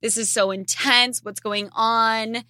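Reading out listener questions on her casual podcast, a young woman from an Argentine family answers bluntly, tossing in crude jokes and laughing a lot. Her fairly high voice is bright and pushed, with fairly even intonation and a slow pace. There's no room sound at all.

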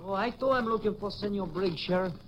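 A man's voice: sits high, fairly quick, natural voice. A male actor playing a humble, polite young ranch hand with simple, deferential speech in a 1950s radio western. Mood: polite, earnest. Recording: muffled, noisy old radio recording.

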